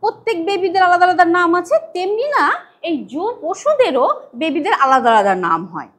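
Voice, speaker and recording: A high-voiced woman teaching a demo class for small children. Her voice swoops up and down in a singsong, coaxing way. She spells English words out letter by letter. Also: very animated, brisk. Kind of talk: demo lesson to young children.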